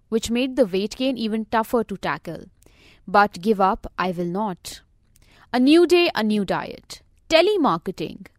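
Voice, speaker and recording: A middle-aged woman with a fairly high voice narrates her own life story from a script, taking her time and adding dry, self-mocking asides. The sound is close and dry with no room around it. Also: no room sound. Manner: measured, wry, reflective storytelling. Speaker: podcast narrator.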